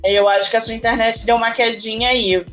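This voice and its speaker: A woman with a Brazilian Portuguese accent hosting a podcast interview, effusive and drawn-out in her speech. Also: fairly high pitch, steady tone, fairly bright tone, faint music behind. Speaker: podcast host.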